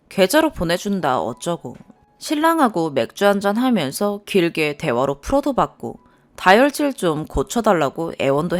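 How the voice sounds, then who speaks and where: A young woman reading a first-person story aloud as narrator, expressive and lively. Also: medium pitch.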